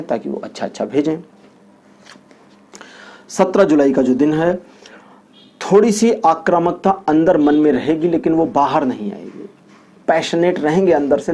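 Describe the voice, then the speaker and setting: A man's voice: on the high side, gravelly, warm tone, slightly rough. A man giving a weekly tarot horoscope reading, explaining each point with repetition and homely examples. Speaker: tarot reader.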